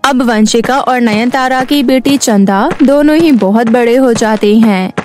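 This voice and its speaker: High-voiced woman narrating a children's story. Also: unhurried, a little mellow. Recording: faint music bed behind voice.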